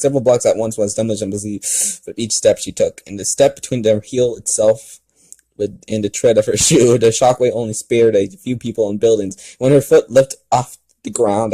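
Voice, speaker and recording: A man with a lowish voice reads a story aloud as an amateur. His delivery is halting and stumbles over words. He talks in a casual, unpolished way, like someone commenting as he reads. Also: dark tone. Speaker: fan fiction reader and commentator.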